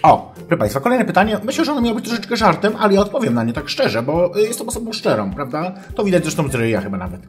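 A man's voice: sits high, sing-song, fast talker, hardly any pauses. A man playing a pompous, crude self-styled female sex therapist, lecturing in mock-scholarly tones and swearing, over faint background music. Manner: mock-scholarly lecturing, keeps addressing the audience formally, swears. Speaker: advice-show host. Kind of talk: comic character monologue.

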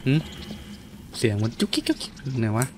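A man streaming a video game gives commentary at a moderate pace, full of reactive exclamations and interjections, against a noisy backdrop of game music and effects.

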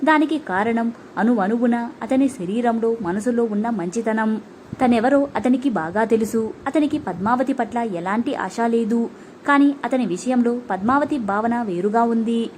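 A woman narrating an audiobook story in a calm, measured way. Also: on the high side, a little hiss or hum.

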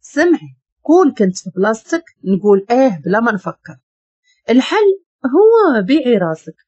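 A woman's voice: on the high side, very animated, moderate pace, a little mellow, breathy edge, dry recording, lo-fi sound. A woman voicing a scheming young woman from the neighborhood, speaking in a cool, blunt, persuasive way with a Moroccan accent. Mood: coaxing.

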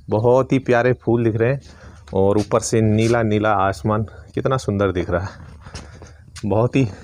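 A middle-aged man from Uttarakhand films a casual village vlog on his phone. His voice sits at an average pitch as he narrates everyday chores and playfully teases those around him. It sounds like handheld phone audio, mostly out in the open. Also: darkish tone. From Uttarakhand, India. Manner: teasing, playful chatter with family, animals and children. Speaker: village family vlogger. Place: village home, mostly outdoors in yard and fields. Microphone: phone at arm's length.

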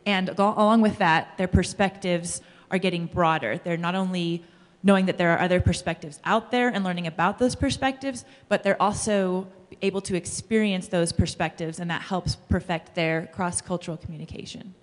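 A woman high school Spanish teacher giving an earnest conference talk into a handheld mic on stage. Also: normal speed. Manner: earnest, explanatory, uses fillers. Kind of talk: conference presentation. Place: large school hall, on stage. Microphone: handheld microphone. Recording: long reverb of a large hall.

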